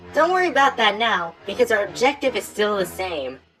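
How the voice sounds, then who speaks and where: This female-sounding, cartoonish character voice moves at a fairly quick pace with a medium pitch for a woman. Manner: regal, commanding.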